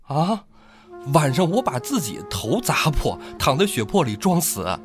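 An actor in a radio drama playing a vengeful, gloating miner turned killer, with a maniacal manner. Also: male voice, a little high, big pitch swings, measured pace. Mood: gloating, sinister. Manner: gloating, breaking into maniacal laughter and sobbing. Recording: music behind the voice.

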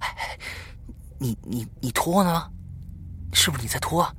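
A man's voice: medium pitch, lively intonation, moderate pace, fairly bright tone, slight background noise, pitched above the performer's own voice, natural voice. A man voicing his younger self as a curious, jumpy seventh-grade boy who keeps questioning his friend. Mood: suspicious. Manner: startled, questioning.

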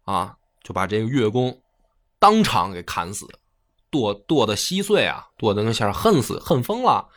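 Animated male storyteller. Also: on the low side, normal speed. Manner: colloquial, slangy, animated. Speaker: history storyteller. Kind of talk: casual storytelling chat.

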